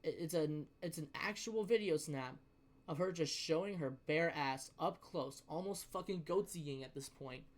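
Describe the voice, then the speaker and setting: A young adult man telling a story in a casual rant, profane and emphatic, often halting and repeating his words. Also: on the high side.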